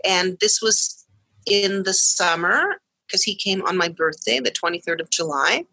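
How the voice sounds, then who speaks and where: Woman guest, bright, forward voice, dry close recording, animated storyteller. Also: medium pitch, measured pace, gravelly, slightly rough, no echo. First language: English. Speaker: guest, mother of deaf twins. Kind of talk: podcast interview storytelling.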